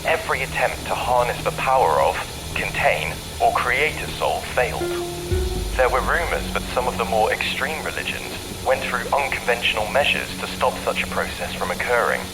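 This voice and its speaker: An actor playing a grave, remorseful scientist and father, delivering a solemn, deliberate confession in an audio drama. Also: medium pitch, very animated, over music, close to an everyday voice. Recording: clearly noisy recorded message.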